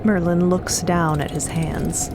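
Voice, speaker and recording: A woman's voice: little pitch movement, slow. A woman narrating a scripted audio drama. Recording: loud vehicle-like rumble behind voice.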